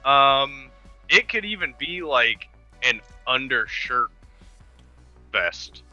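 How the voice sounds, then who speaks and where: A man's voice: mid-range voice, animated, takes it slowly, sharp tone, dry recording. A man chatting casually and hesitantly as a player on a game podcast, recorded with a dull lo-fi sound. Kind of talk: casual chat. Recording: dull lo-fi microphone sound, music behind.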